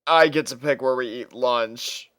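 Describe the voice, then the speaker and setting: A man voicing a laid-back, sleepy young college student in a fan fiction reading, drawn-out and reluctant. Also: mid-range voice, fairly bright tone, clear, resonant tone, no room sound, natural voice.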